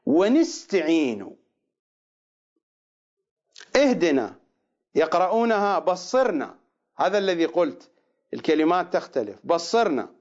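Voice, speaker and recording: A man lecturing on readings of scripture, drawing out each recited word slowly and then rushing through his asides. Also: high voice, dull audio. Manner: slow deliberate recitation of words, then quick asides. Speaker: religious lecturer.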